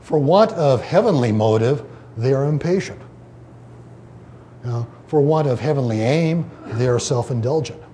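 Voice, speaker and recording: A preacher man with a mellow, darker voice teaches scripture in a relaxed, chatty way. He restarts his sentences often and pauses to read out quotations. A faint low rumble sits under the recording. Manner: conversational, many fillers and restarts, reads quotations aloud. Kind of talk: informal Bible teaching.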